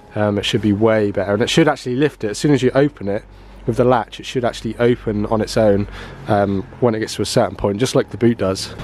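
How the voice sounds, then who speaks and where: A man with a fairly low pitch at a very fast pace, ordinary pitch variation, light background noise and a dry sound with no echo. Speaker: car hobbyist vlogger. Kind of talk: casual vlog chat. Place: street. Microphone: phone near.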